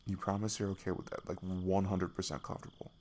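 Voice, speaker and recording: A man playing a shy, affectionate young best friend in an intimate ASMR roleplay, speaking softly and haltingly with a giggly manner. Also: low-pitched, little pitch movement, lightly acted. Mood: earnest, careful. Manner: halting, giggly, soft-spoken. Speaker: audio roleplay performer. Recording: faint noise, night crickets behind. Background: crickets and night insect ambience.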